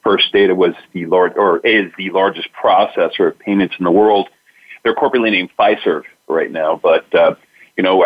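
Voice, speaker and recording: Low, husky man on muffled line. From Florida. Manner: relaxed, conversational, many fillers. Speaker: guest, sales executive. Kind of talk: interview answers.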